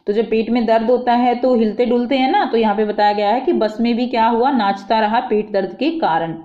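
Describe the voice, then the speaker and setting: A woman's voice: on the high side, fairly even intonation, a little fast. A woman teaching a school worksheet, reading a passage aloud and then explaining it simply, calling her students "beta". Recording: echoey, dull lo-fi room.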